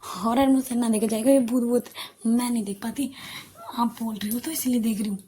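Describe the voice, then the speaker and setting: Timid young girl who whines and pleads, her voice lifting high when scared and tumbling out in a rush. A woman reads her lines in an audio storybook. A faint hiss sits under the voice. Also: fairly even intonation, a little fast, warm tone, close to an everyday voice. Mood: pleading.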